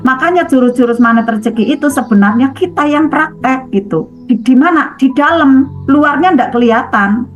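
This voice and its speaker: A woman's voice: high-pitched, lively intonation, moderate pace, highs cut off, soft background music. A middle-aged woman, speaking casually to a group and acting out short quoted exchanges. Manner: conversational, acts out little quoted dialogues in a softer voice. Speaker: speaker sharing experience in a study group. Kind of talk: casual spoken talk to a group.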